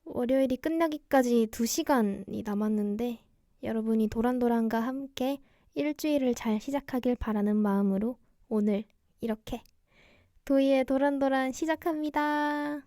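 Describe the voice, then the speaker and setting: A young woman hosting a cozy radio-style livestream chat, speaking in a soft, gentle, quiet way. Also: a little high, normal speed, dry recording, studio quality. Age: young adult. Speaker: radio DJ host, idol singer livestreaming.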